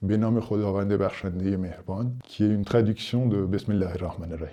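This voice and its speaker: Fairly low in pitch, a man's voice has a dark, mellow tone and fairly even intonation. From Iran. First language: Persian (speaking French). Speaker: convert giving testimony. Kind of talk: testimony. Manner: halting, with hesitations.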